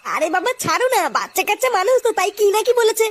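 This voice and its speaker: A woman's voice: extremely high pitch, very animated, racing. A woman playing a soothing wife and mother in a comedy cartoon, coaxing and mildly chiding. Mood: placating.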